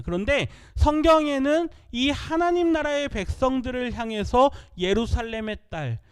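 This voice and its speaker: A male pastor with a high voice delivers a sermon in church. He reads scripture out loud with his congregation and teaches by asking questions, then answering them himself.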